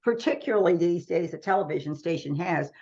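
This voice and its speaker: An American woman in middle age talks conversationally as an interview guest. Her voice sits on the low side with noticeable fry, and she explains her points earnestly. The recording is somewhat muffled. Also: lively intonation, a little fast, a little mellow. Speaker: radio trade magazine publisher, interview guest.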